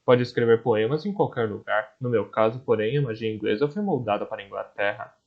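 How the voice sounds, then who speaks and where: A man voicing a courteous, clever magician who talks in a polite, measured way. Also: on the low side, phone-quality sound.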